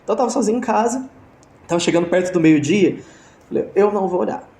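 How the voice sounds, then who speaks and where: A man's voice: high-pitched, lively intonation, fast, dark tone, roomy sound, a little hiss or hum. A young Brazilian man telling a story in a casual interview, hesitant, with many restarts and fillers, over a video call. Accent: Brazilian Portuguese. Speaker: interview guest.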